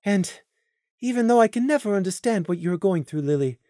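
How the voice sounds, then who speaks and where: A woman puts on a refined female unicorn from a fantasy story. Her voice is smooth and musical, with lively intonation. She speaks calmly, patiently and with humble earnestness. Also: mid-range voice, fairly quick, dry recording, clean studio sound, natural voice. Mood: calm, sad.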